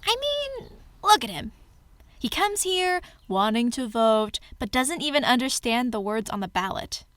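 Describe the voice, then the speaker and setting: A woman's voice: fairly high pitch, very animated, unhurried, fairly bright tone, no room sound. A woman playing a suspicious, melodramatic young volunteer in an amateur theater skit, emphatic and theatrical. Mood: suspicious, insistent.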